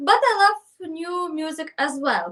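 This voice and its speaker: A woman's lively intonation with a non-native accent. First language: not English. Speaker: wedding musician. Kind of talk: live virtual show presentation. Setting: live stream. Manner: halting.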